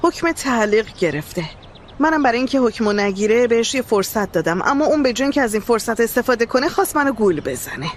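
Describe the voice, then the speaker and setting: A woman's voice: fairly high pitch, expressive, slight background noise, natural voice. An actress dubbing a firm but worried woman in charge, uneasy about a family conflict. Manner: firm, troubled. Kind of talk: Persian drama dubbing. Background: music score.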